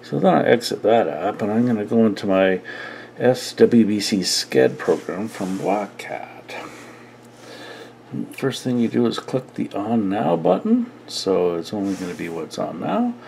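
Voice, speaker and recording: Low, creaky, slow-talking man. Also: sing-song, a little mellow. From Canada. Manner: unscripted, thinking aloud. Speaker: radio hobbyist. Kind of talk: casual demonstration to camera. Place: indoor radio desk at home. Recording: faint background noise.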